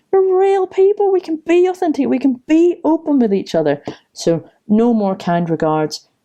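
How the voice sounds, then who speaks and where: A woman's high voice in a Northern Irish accent, dark and mellow in tone, with very wide pitch swings, very even loudness and a moderate pace. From Northern Ireland. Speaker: scientist and company founder. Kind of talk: podcast interview. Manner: animated.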